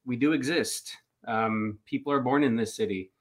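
A man from Los Angeles telling his background as a podcast guest. He speaks at an ordinary middle pitch and pauses often with "um.". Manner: halting, with frequent "um" pauses. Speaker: guest, filmmaker and editor. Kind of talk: casual interview chat.

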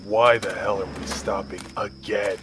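A man's voice: fairly low pitch, steady tone, unhurried, noisy background, lightly acted. An actor playing a domineering male pack leader who issues threats in a commanding way in an audio drama. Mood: irritated. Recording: music bed under voice.

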